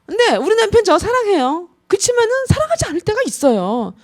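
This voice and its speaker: A woman in her forties, a pastor's wife, giving a lively lecture at a student retreat and acting out little quoted scenes as she tells stories. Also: extremely high pitch, a little fast. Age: 40s. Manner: lively storytelling, acts out quotes.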